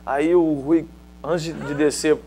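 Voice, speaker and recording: Speaking at a measured pace in a voice on the high side, this middle-aged man from Minas Gerais shares stories from his football days in a relaxed interview. His Mineiro Brazilian Portuguese accent comes through as he lively voices other people's lines. There's slight background noise.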